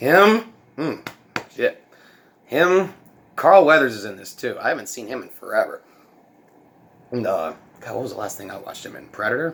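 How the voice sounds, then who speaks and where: The man's voice sits fairly high, with very wide pitch swings and big swings in loudness. He leaves long, frequent pauses. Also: moderate pace. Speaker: TV show reviewer. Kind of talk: casual review talk to camera. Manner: casual, laid-back.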